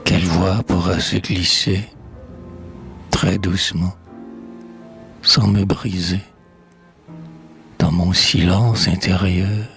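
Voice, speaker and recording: A man reciting poetry in a solemn, dramatic style, with measured phrasing and a husky, gravelly voice that drops into breathy near-whispers. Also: deep voice, flat delivery, a bit bright, soft background music. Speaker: poet reading poems aloud.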